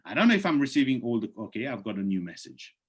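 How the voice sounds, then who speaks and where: A man hosting a live presentation on a video call, reading out questions from the chat and answering them in a persuasive, urging way, with his voice going hoarse. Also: mid-range voice, very animated, quick pace. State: losing his voice.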